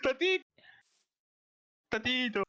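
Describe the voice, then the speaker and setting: A man with a very high, bright voice chats playfully through a game roleplay. His intonation is lively and he exclaims often. The microphone sounds dull and lo-fi. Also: extremely slow. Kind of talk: casual roleplay chat while gaming. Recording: dull lo-fi mic.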